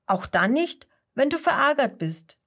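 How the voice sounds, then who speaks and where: A woman voicing a kind, helpful little boy dinosaur in a children's audio story, explaining things gently and patiently. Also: sits high, big pitch swings, measured pace, pitched above the performer's own voice, full character voice.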